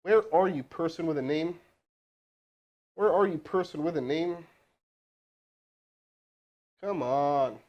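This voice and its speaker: A man hosting a live stream as a sales trainer, energetic and casual, with chatty asides to his crew. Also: fairly high pitch, takes it slowly, long pauses, muffled recording. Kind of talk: hyped live-stream coaching and cold calling. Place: indoor room with crew present.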